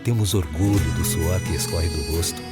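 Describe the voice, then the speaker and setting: A man reading a solemn, slow advertising voice-over. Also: low-pitched. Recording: loud music bed.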